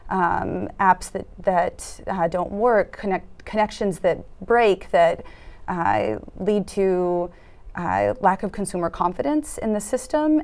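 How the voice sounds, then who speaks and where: A woman in her thirties giving earnest interview answers in a studio, often pausing with fillers and restarting her sentences. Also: on the low side, darkish tone. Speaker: foundation program officer, interviewee. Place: dark studio set at a conference.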